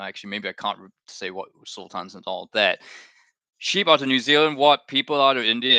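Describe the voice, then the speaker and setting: A man's voice: fairly low pitch, pushed and bright, no room sound. A man from Malaysia hosting a live watchalong stream, chatting in a rambling, self-correcting way. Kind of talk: casual watchalong chat.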